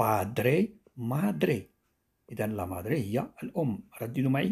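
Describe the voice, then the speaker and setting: A man's somewhat breathy, medium-pitched voice moves through very wide pitch swings. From Morocco, Beni Mellal. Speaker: language teacher. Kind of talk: tutorial. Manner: slow, repetitive drilling.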